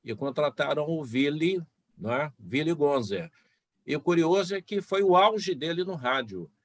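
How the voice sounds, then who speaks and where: Dry-sounding sports announcer telling stories. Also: male voice, fairly high pitch, lively intonation, unhurried, no room sound. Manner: storytelling, acts out gestures. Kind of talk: casual panel chat, anecdotes.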